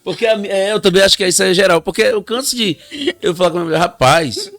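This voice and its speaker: A man's voice: high voice, steady tone, rapid-fire, gravelly, fairly bright tone, dry recording. A man, hosting a podcast in a joking, chatty way. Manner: joking, chatty, laughs often. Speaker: podcast host. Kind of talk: casual interview.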